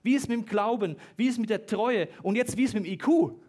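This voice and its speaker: A high-voiced young man gives a sermon as a pastor, with quick jokes and an animated, playful delivery. He sometimes rushes ahead faster than his thoughts. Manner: lively, joking, talks fast at times.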